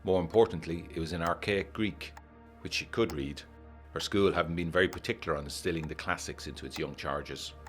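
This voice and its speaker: A man narrating a letter in a measured, formal, old-fashioned manner for a gothic audio drama. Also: sits low, faint music behind. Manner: measured, formal period storytelling.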